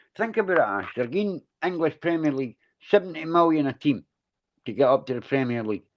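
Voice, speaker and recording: A man in a Scottish accent, fairly high-pitched, very fast, with lively intonation. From Scotland. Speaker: live stream host. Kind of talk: casual chat.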